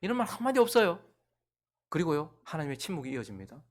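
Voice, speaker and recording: A male pastor preaching a sermon. He swings between loud outbursts and hushed whispers. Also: fairly high pitch, very animated, quick pace.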